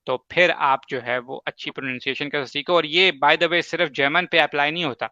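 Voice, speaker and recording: In this casual advice talk, the host, a native Urdu speaker, makes his points emphatically with examples and brief asides. His voice is bright, a little high, and steady in tone, captured dry and somewhat dull with no room sound.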